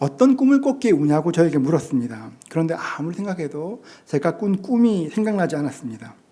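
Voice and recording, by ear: A man with a Gyeongsang accent, very fast pace, a dark, mellow tone and very wide pitch swings. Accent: Gyeongsang regional Korean.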